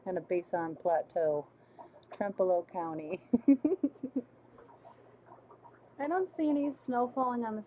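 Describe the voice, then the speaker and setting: A woman with a small, squeaky voice hosting a casual livestream, chatting, laughing easily and reading viewer comments aloud. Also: a little hiss or hum. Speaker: livestream host. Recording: slightly muffled lo-fi stream audio.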